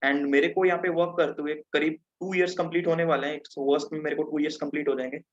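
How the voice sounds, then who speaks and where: A teenage man from Punjab runs an online class over a video call, his voice sitting a little high. He talks in a chatty way, keeps checking in with his audience, and the sound is dull and lo-fi. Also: steady tone, fast talker. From Punjab, India. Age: teens. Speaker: webinar presenter. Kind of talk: interactive online lesson.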